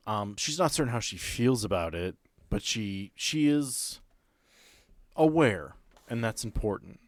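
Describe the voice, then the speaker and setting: Low-voiced man running a tabletop game. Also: expressive, unhurried, dry recording. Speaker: game master and podcast host. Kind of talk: improvised narration and table chat for a tabletop game podcast.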